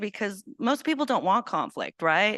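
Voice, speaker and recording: A woman talks at a moderate pace in a bright, sharp tone. The sound is dry and close with no echo, over a quiet background. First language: not English. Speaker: board candidate. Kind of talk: interview answers at a public meeting. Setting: community board meeting.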